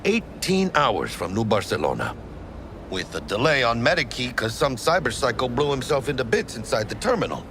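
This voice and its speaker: An actor playing a brash, hot-blooded street mercenary in a video game, with a gravelly Latino American accent and cocky slang. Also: male voice, medium pitch, big pitch swings, normal speed, noisy background. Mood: smooth bluffing.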